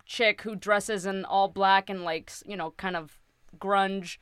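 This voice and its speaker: A woman's voice: mid-range voice, fairly even intonation, unhurried, fairly bright tone, clear, resonant tone, no echo, clean studio sound. A young woman, co-hosting a casual podcast chat, laid-back and swearing freely. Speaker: podcast co-host and content creator.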